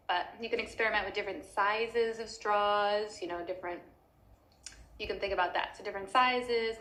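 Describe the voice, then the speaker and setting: A woman's voice: mid-range voice, fairly bright tone, reverberant, slight background noise, rough recording. A young woman giving casual advice as a music teacher, chatty and full of fillers.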